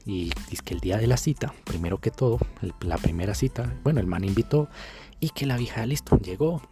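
A young man with a Colombian accent tells gossipy dating stories in a low-pitched voice. He talks in a casual, slangy way and repeats phrases for effect. Soft music plays faintly behind him. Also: animated, a little fast. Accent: Colombian Spanish. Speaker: dating coach. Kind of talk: casual storytelling to camera.

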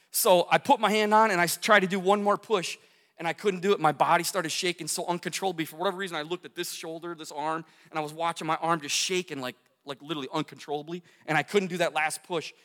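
Male testimony speaker, high pitch, repeats phrases for emphasis, long hall reverb. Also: a bit bright. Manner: vivid storytelling with gestures, repeats phrases for emphasis. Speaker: speaker telling his near-death story. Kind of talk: testimony talk to an audience.

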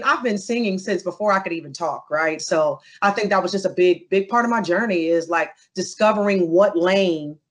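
Expressive woman telling stories in an interview. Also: medium pitch. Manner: animated, expressive storytelling with asides to the listener. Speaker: interview guest. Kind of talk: casual interview conversation.

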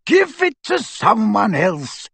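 A man voicing a gruff, bitter old wizard in a storybook, speaking roughly and tersely with scorn. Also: high-pitched, huge pitch swings, takes it slowly, a bit bright, dry recording, voice pushed up, full character voice. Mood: scornful.

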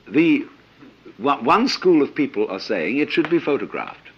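Older male lecturer, philosophical and anecdotal, very animated intonation, thinking aloud with "you see.". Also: medium pitch, unhurried, slightly rough, muffled recording. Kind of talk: reflective spoken lecture.

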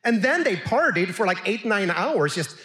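A man's voice: high-pitched, moderate pace. A middle-aged man from Sweden, a pastor preaching a sermon and calling on the congregation to answer back. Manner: animated, calls for audience responses.

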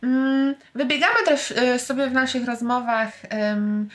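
High-pitched woman, playfully mock-serious. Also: fairly even intonation, measured pace, fairly bright tone. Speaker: podcast co-host. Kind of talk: casual podcast chat.

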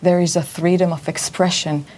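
A woman from Israel answers questions in a radio studio. Her voice sits slightly low, and she speaks in a firm, formal and measured way. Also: fairly even intonation, darkish tone, a little hiss or hum. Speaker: diplomatic representative. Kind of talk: interview answers.

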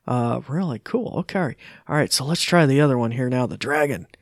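A man's voice: mid-range voice, lively intonation, fairly quick, dry recording, studio quality. A man giving a casual live tech demo, informal and hesitant, easily amused. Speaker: tech demonstrator.

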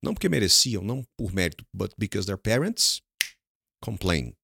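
This Brazilian man's English lesson, delivered with a Brazilian Portuguese accent, mixes in Portuguese explanations, slow repetition, and questions to students that he answers on his own. His fairly low voice swings widely in pitch and sounds creaky, sharp, and slightly rough. It's studio quality with no room sound.

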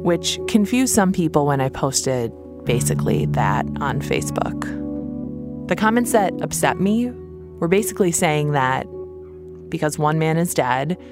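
Low-voiced woman hosting a reflective monologue. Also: animated, unhurried, over loud music. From United States. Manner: earnest, wry asides. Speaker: podcast host.

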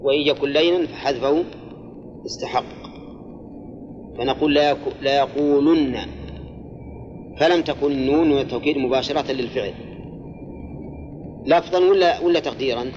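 A man's voice: medium pitch, a little fast, long pauses, a little mellow. Older man, classroom lesson, step-by-step explanation, repeats key phrases, asks students questions, dull lo-fi recording. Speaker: teacher of Quran exegesis and grammar.

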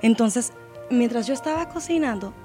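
A woman's voice: on the high side, animated, moderate pace, mellow, soft background music. A woman singer giving a heartfelt personal testimony in a Christian podcast interview, with English words mixed into her Spanish. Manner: heartfelt, emotional storytelling, mixes English words.

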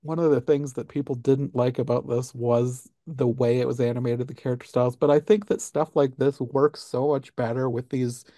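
A man talks through a film in a relaxed podcast chat, breaking into laughter as he recaps. His voice is warm and low in brightness. It is recorded dry and close, with no room sound. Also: normal speed, hardly any pauses, dry recording. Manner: laughs often while recapping. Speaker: podcast host. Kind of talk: casual film review chat.

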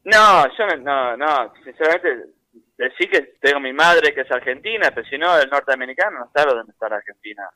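A man's voice: mid-range voice, a little fast, no echo, low-quality recording. A man from Philadelphia with an American accent, a guest author on the phone telling anecdotes with lots of restarts. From Philadelphia, United States. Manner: chatty, animated anecdotes with many restarts. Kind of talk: phone interview, storytelling. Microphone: phone line.

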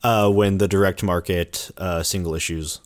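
Low-voiced man, hoarse with bronchitis. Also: steady tone, normal speed. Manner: rambling, self-correcting. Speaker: podcast co-host. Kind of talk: casual chat.

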